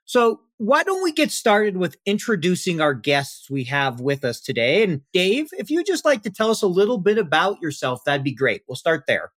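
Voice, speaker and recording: A man's voice: sits high, sing-song, normal speed, few pauses, a bit bright, no room sound, clean studio sound. A man hosting a live panel discussion, asking guests friendly questions in an upbeat way. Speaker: podcast host.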